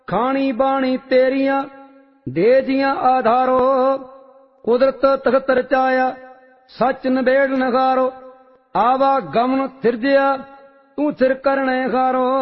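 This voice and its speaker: A man reciting religious hymns in a measured, sing-song chant. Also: very high-pitched. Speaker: scripture reciter. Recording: long reverb, dull lo-fi sound, faint music.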